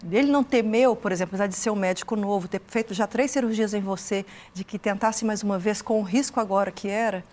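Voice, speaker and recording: A woman's voice: mid-range voice, steady tone, fast, few pauses, darkish tone. A woman with a Brazilian Portuguese accent hosting a religious TV interview, asking attentive follow-up questions. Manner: attentive, prompting with short affirmations. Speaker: TV interviewer, program host.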